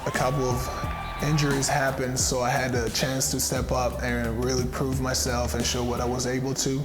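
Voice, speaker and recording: Young italian guy talking about his football life, pretty monotone, echoey room with music under. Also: medium pitch. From Italy. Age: young adult. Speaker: college football player. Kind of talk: interview testimonial.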